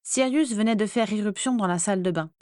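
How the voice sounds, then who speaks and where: A woman reading a fantasy story aloud as narrator, measured and clear. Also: mid-range voice, darkish tone, no room sound, clean studio sound. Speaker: audiobook narrator. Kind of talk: scripted narration.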